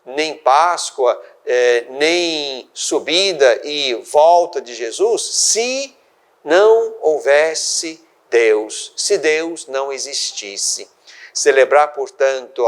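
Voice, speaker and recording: An older man from Brazil, a bishop hosting a religious program, giving a sermon-like reflection in slow, deliberate, measured phrases. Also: a little high.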